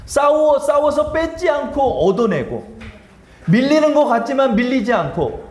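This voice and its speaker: Male pastor, lively high-pitched preaching, questions and answers himself, echoey church sound. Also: a little slow, a little hiss or hum. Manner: animated preaching, asks and answers his own questions; acts out quoted speech in a casual tone. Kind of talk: sermon. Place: church sanctuary.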